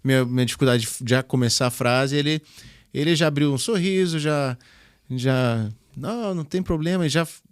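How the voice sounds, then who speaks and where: A man's voice: medium pitch, moderate pace, smooth, dry recording, studio quality. A man who leads a church youth ministry, chatting as a podcast guest and telling stories animatedly, often restarting his words. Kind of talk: casual interview chat.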